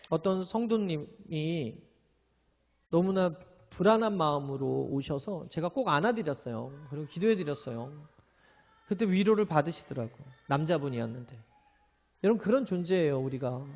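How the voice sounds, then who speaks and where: A high-voiced male pastor delivering a sermon in a church sanctuary. He drops to soft, confiding tones, then rises into loud, urgent preaching. The sound is muffled and rings with long reverb. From Korea.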